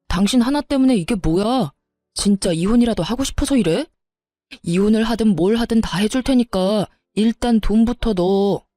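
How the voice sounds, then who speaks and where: A woman's voice: medium pitch, mellow, dry recording, clean studio sound, close to an everyday voice. A woman voicing a desperate husband who begs and then threatens by turns, in a narrated story. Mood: angry. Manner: begging then threatening, flip-flopping. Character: desperate pleading husband, quick-tempered, married man. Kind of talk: story narration with voiced dialogue.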